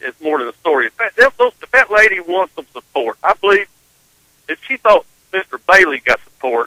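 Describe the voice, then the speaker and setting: A man with an American accent speaks in a raised, projected voice at a high pitch. His pitch swings very widely and his loudness varies greatly, with a dry, close sound and no echo. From northeast Arkansas (Jonesboro). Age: 60s. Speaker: radio caller. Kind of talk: call-in radio talk show. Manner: halting.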